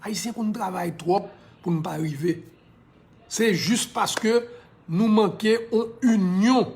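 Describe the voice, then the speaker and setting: This social media personality, with a Haitian accent, preaches fervently to his audience in a relaxed live video. He speaks a little slowly in a darkish tone, his voice somewhat higher than most men's, and occasionally drops in English.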